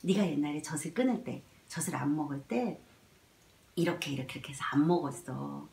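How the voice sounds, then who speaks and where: Animated woman lecturing on parenting, roomy sound. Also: sits low, brisk, vocal fry. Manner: animated storytelling, acts out mothers and toddlers, drops to soft whispers; many filler words. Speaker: child development educator. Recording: roomy, mic at a distance.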